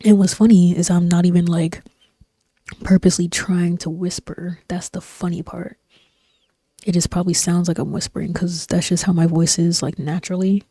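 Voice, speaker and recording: A young woman streams and chats in a low, soft-spoken voice that hovers near a whisper. Her tone is mellow and flat. She rambles along relaxed, full of fillers and slang, close on a dry desk mic. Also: moderate pace, husky, no room sound. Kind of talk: casual chat while gaming. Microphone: desk microphone.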